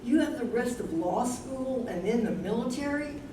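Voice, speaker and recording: A woman in a staged play reading, playing an ambitious, principled young woman weighing marriage, with measured delivery. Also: a little high, animated, lightly acted. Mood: firm, resolute. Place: live staged reading in a room. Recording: very echoey room, distant mic, noisy.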